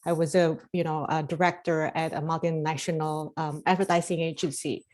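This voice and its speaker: A woman's voice: deep voice, little pitch movement, fairly quick, a little mellow. Middle-aged woman from indonesia, life coach guest, rambles with lots of ums and restarts. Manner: rambling, many fillers and restarts. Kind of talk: casual interview talk.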